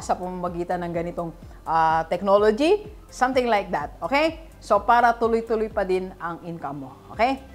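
A Filipino woman, a financial coach, giving a motivational talk in a chatty way and often checking in with her listeners. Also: mid-range voice. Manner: lively, chatty, rhetorical "di ba?" and "alright?" checks.

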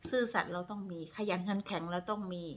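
A woman's voice: mid-range voice, fast. A woman from Northeast Thailand, chatting casually and rambling a bit to camera in her vlog. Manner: chatty, rambling, refers to herself by name. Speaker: vlogger. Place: home in Texas.

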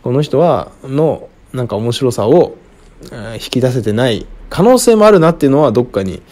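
Man hosting a lively solo Q&A talk. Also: moderate pace. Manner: rambling, frank, with frequent fillers and chuckles; lively, wide pitch swings. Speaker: radio-style show host answering listener questions. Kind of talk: casual solo talk answering questions.

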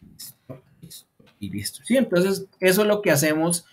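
A man teaching a beginner English class online, explaining step by step and thinking aloud as he edits his slides, with many fillers, and slowing down to model example sentences. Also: sits high, sing-song.

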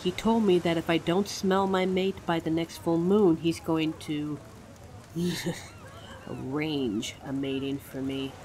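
Woman acting low-voiced female werewolf, anxious and wry. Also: fairly even intonation, slow, a little mellow, poor audio. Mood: downcast. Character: anxious, sarcastic female werewolf nearing thirty. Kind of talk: audio drama acting.

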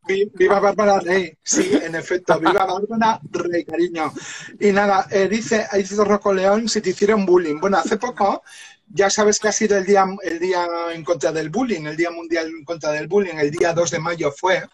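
A man hosts a relaxed live chat in a high voice. He rambles on with fillers and restarts as he talks. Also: normal speed, low-quality recording. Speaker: host of a live stream. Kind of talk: casual chat.

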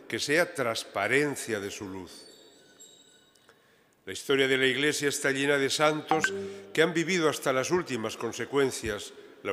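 Spanish preacher in cathedral echo. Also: male voice, mid-range voice. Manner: steady, formal preaching. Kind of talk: homily. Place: large church. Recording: long church reverb.

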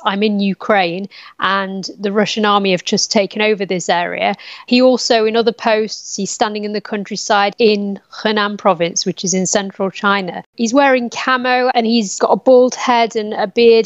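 A woman from the UK, a media analyst, explaining a story clearly in a news interview. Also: fairly high pitch, no room sound, dull audio.

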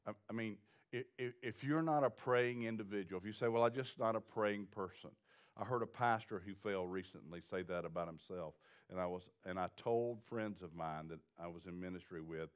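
A man's voice: low voice, clear, resonant tone. A middle-aged man preaching a sermon to a small congregation, building to emphatic repeated lines. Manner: preaching with rising intensity and emphatic repetition; pacing the stage with wide gestures. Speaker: pastor. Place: small church stage with seated congregation.

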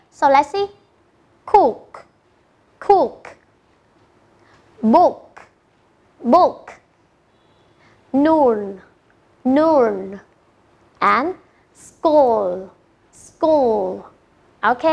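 A Vietnamese-accented woman teaching English to young pupils, repeating each phrase twice and switching between English and Vietnamese. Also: high voice. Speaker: primary school English teacher. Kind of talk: bilingual classroom teaching.

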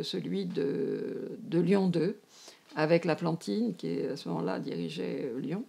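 Recalling her years in academia for a filmed interview, a woman of seventy-plus from France speaks hesitantly, searching for words in a Parisian accent. Formerly an anthropology professor and now emerita, she sits indoors at home, her lowish voice warm and touched with vocal fry.

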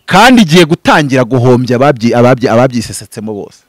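Rwandan pastor guy talking fast and fired up, big swings loud to quiet, close mic, dry sound. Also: sing-song, no room sound. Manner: impassioned, gesturing, swings from loud bursts to low murmurs. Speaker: pastor and prophet. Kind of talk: animated preaching-style interview talk. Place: outdoors before green foliage. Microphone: handheld mic held close.

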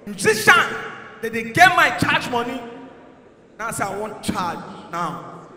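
A young Nigerian man on a big stage with a handheld mic, delivering lively stand-up in Pidgin and shouting out the punchlines. His voice sits very high and rings bright, carried by the long, roomy echo of a large concert hall. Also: a little slow, slight background noise. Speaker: stand-up comedian. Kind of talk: stand-up comedy set. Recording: echoey hall, crowd faintly behind.

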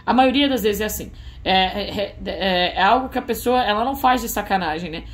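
A woman giving a casual tarot reading, soft and musing, with frequent fillers. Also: mid-range voice, a little fast. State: tearful. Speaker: tarot reader.

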